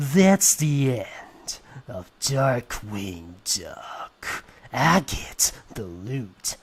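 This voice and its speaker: Speaking at a very slow pace, a man uses a put-on character voice. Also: medium pitch for a man. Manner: sinister, menacing.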